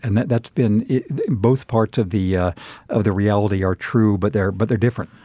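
Dark and mellow in tone, the voice carries an American accent in a very clean recording with a silent background and a dry, close sound with no echo. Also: man. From Southern California, San Bernardino. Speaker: journalist and pilot. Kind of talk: interview conversation. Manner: halting.

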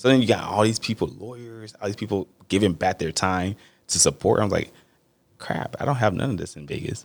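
With an American accent, a man talks at a fairly quick pace in an ordinary speaking voice, fairly low in pitch with ordinary pitch variation. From Mississippi, US South. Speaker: military veteran and entrepreneur. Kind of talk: interview chat.

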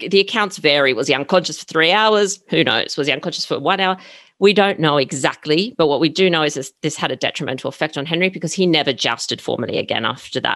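Talking at a very fast pace with hardly any pauses, a woman with an Australian accent has a fairly low pitch and ordinary pitch variation against a quiet background. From Australia, Sydney. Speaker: historian and author. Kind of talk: interview.

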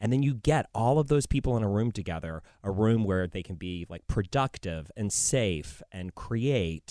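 With hardly any pauses, a man speaks in an unremarkable speaking voice at a fairly low pitch. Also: lively intonation, moderate pace. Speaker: casting director. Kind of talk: casual interview.

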